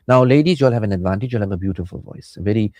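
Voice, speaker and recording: A man's voice: fairly low pitch, very fast, a little mellow, no room sound. A man with a South African Indian accent chatting casually as a radio host and counsellor, playful and rambling. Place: radio studio.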